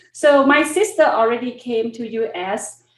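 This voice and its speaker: A woman with a Thai accent and ordinary pitch variation. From Thailand. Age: 40s. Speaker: community fundraiser and pageant titleholder. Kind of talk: interview. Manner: halting.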